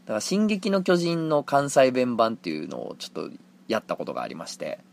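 A man speaks in a relaxed Kansai accent, hosting a solo talk show and chatting through his listeners' letters. His voice sits in the middle range but moves a lot, and he keeps jumping into short acted scenes. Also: mid-range voice, a little fast, gravelly. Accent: Kansai Japanese. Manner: animated, jumps into acted quotes. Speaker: podcast host. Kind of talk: casual solo talk radio.

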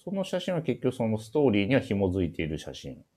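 Very low-voiced male radio host. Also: wildly swooping pitch, a little fast, warm tone, slightly rough. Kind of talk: casual radio chat, hosting with guests.

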